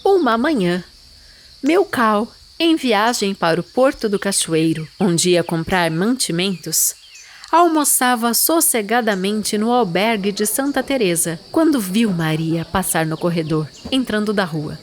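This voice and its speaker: A woman narrating a literary story for an audio drama in a measured, solemn way. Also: medium pitch, lively intonation.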